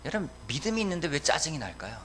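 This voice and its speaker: A man's voice: a little high, sing-song, racing, a bit bright, slight background noise. A male pastor preaching a sermon, often asking the congregation questions and answering them himself. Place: church sanctuary.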